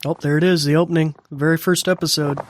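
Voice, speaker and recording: A man's voice: a little high, steady tone, fast talker. An American man hosting a podcast, giving a casual tutorial and calling out voice commands. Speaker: podcast host and instructor.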